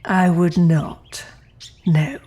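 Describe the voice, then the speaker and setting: Slow, imperious demon lady. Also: fairly low pitch, level tone, mellow. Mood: firm, courteous. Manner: formal, measured, coolly polite. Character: genteel, imperious female demon, architect of an otherworldly realm. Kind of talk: audio drama acting.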